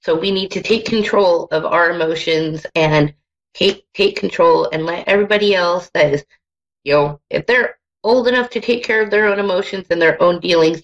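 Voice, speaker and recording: A woman's voice: deep voice, normal speed, dull audio. A woman giving soothing advice as a psychic on a hotline-style radio show, addressing the caller with endearments.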